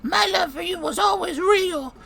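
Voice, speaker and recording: A man voicing a spiteful, manipulative woman from an internet story in a shrill falsetto. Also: normal speed, creaky, pushed and bright, exaggerated voice. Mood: clingy, manipulative.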